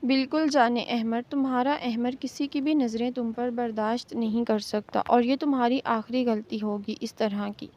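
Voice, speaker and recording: Woman voicing a male professor, possessive, teasing, firm husband, high voice, dull muffled sound. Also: fairly even intonation, few pauses, darkish tone, close to an everyday voice. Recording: muffled lo-fi recording.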